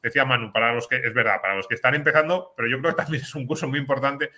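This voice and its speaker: A man's voice: medium pitch, very fast, sharp tone. A man from Spain explaining an investing course in an earnest, casual panel talk, often restarting words. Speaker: course presenter.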